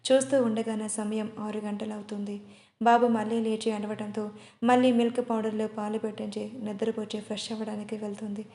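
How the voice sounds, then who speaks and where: A woman narrating an audio story in a steady, even manner. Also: mid-range voice. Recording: roomy echo.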